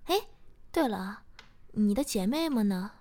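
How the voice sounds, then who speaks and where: A woman's voice: mid-range voice, expressive, measured pace, dark tone, close to an everyday voice. Woman whispering as a cocky young man.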